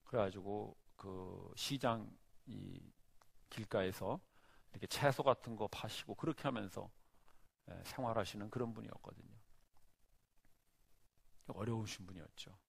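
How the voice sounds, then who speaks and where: A middle-aged male pastor preaching a sermon in a church, telling a story with lively acted-out scenes. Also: fairly low pitch, unhurried, creaky, pauses often, breathy edge, no echo. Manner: animated storyteller, acts out the scenes.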